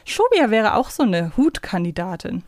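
A woman's voice: medium pitch, very animated, moderate pace, darkish tone, no echo, clean studio sound. A woman talking casually and analytically as a podcast co-host, explaining in loose, chained sentences. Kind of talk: casual conversational fan podcast talk.

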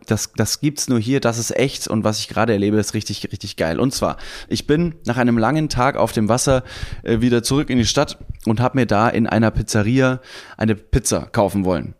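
A man co-hosting a podcast, telling a story in casual chat, enthusiastic and rambling, with many repeats. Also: medium pitch. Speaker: podcast co-host.

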